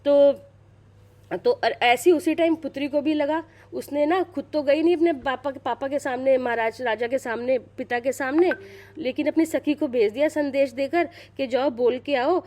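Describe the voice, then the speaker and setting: A woman's voice: high-pitched, steady tone, moderate pace, a little mellow, soft background music. A middle-aged woman retelling a religious story in a casual, chatty way, often repeating herself and restarting sentences. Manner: chatty, repeats and restarts, checks listeners follow.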